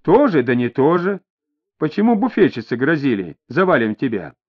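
A man voicing a calm, firm police inspector questioning a suspect, in a steady, pressing way, on a dull lo-fi recording. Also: fairly high pitch, normal speed, breathy edge. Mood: steady, probing. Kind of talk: audiobook character voice. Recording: dull lo-fi audio.

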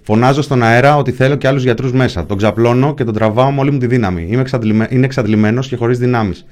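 A man narrating his own account in the first person, pushing forward in terse, clipped bursts. His pitch sits in the ordinary middle range for a man. The delivery stays plain and steady, with no performed voices. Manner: terse, clipped present-tense fragments.

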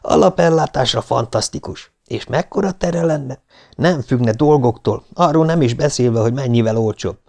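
A man reading the part of an eager young male paramedic who reports briskly and plainly. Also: mid-range voice, gravelly, darkish tone, voice pushed up, lightly acted. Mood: excited.

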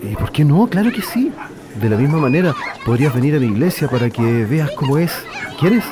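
A man's voice: a little high, very animated, a little fast, a crowd in the background. A man playing an earnest young man in a radio drama who talks hesitantly with many fillers.

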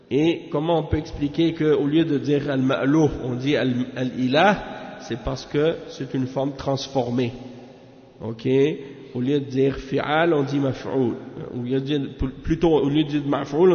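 Male religious teacher, unhurried and methodical, slightly higher voice, dull lo-fi recording with long hall reverb. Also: darkish tone. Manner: slow, repeats terms, checks with "hein?" and "ok?". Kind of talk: explanatory religious lesson.

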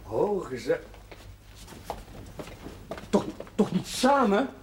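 An actor playing an earnest, moralising Catholic chaplain in a Dutch television drama, speaking formally with some hesitation. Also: male voice, high-pitched, wildly swooping pitch, slow pace, slight background noise, full character voice. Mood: polite, hesitant.

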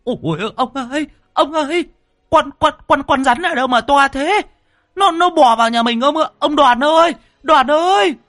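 A man narrator voicing a panicky old village grandmother who shrieks and stammers in a high voice. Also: animated, a little slow, long pauses, breathy edge, no room sound, studio quality. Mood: shrieking panic.

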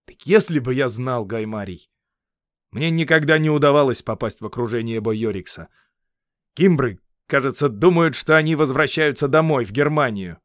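A man's voice: medium pitch, moderate pace, no echo, studio quality, pitched above the performer's own voice, natural voice. Man reading as an eager Roman scout. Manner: lively, explaining at length. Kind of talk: audiobook character reading.

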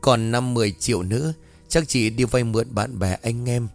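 A poor village wife, voiced by a male storyteller, begs and frets in an earnest, tearful way. Her plea stays close to the narrator's own middle voice. Soft music runs faintly behind. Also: medium pitch, moderate pace, vocal fry, natural voice. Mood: worried. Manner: pleading, tearful.

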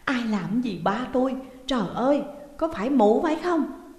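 Một người phụ nữ đóng vai cô con gái trẻ hốt hoảng, dồn dập hỏi han. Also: female voice, fairly high pitch, very animated, a little fast, dark tone, pitched above the performer's own voice. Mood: alarmed. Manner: alarmed, questioning. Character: anxious young daughter, earnest. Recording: roomy reverberant hall sound.

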